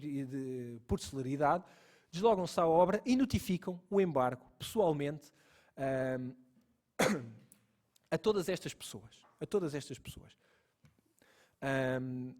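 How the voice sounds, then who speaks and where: A man's voice: a little high, a little mellow. A man with a European Portuguese accent, a lecturer and lawyer giving a legal lecture, explaining step by step and repeating key points for emphasis.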